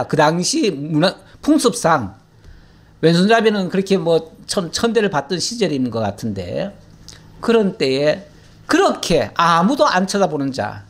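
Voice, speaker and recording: A middle-aged male pastor giving a folksy, conversational Bible teaching sermon, acting out prayers in a pleading voice. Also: high voice. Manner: folksy, acts out prayers in a pleading voice, laughs often.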